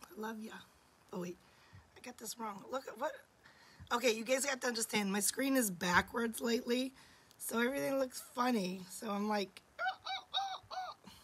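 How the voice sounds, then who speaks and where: A woman in her forties hosting a live jewelry sale from a home studio, hoarse from losing her voice and often dropping to a whisper, chatty and affectionate. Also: a little high, sing-song, normal speed, fairly bright tone, slight background noise. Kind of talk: live-stream sales chat.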